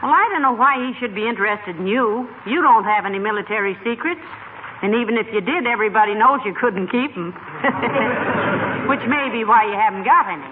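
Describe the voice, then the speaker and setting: An actress playing a dry, teasing middle-aged wife in a 1940s radio comedy, wry and unimpressed. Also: female voice, fairly high pitch, a little fast, phone-quality sound, natural voice. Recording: scratchy old radio broadcast, loud hiss.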